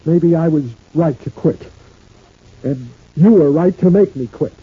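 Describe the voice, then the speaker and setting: A man acting a proud, gullible working-class husband in an old-time radio serial, with a plaintive, folksy, halting delivery. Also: a little high, slightly rough, no echo. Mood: wounded. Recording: muffled old radio recording.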